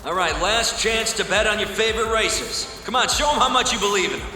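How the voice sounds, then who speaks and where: A man's voice: high voice, animated, fairly quick, sharp tone, heavily acted. A man playing a showy, bombastic scooter race announcer in an audio drama. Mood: hyped. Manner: bombastic showman delivery. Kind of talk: event announcing in audio fiction. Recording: echoey, distant PA over music, crowd.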